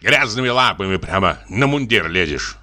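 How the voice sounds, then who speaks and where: A man's voice: sits low, expressive, moderate pace, bright, forceful tone, heavily acted. Man playing a boastful tipsy army lieutenant. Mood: boasting. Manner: boisterous, wheedling, exclamatory. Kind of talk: audiobook character reading.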